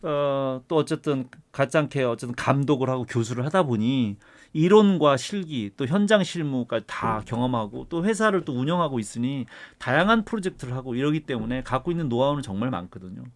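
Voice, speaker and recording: A middle-aged man, an art professor, lecturing casually and switching between heated ranting and quieter asides. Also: medium pitch, lively intonation, brisk. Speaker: art professor and channel host.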